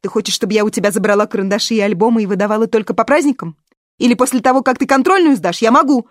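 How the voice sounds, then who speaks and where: A woman voicing a stern young stepmother who scolds and lectures loudly. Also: fairly high pitch, racing, no room sound, clean studio sound, voice pushed up, natural voice. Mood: scolding.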